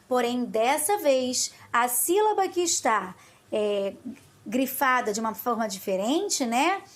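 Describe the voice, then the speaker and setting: A Brazilian woman teacher with a Carioca accent, walking young pupils through worksheet exercises in a patient, sing-song way. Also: sits high. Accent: Carioca Portuguese. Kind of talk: recorded lesson for young pupils.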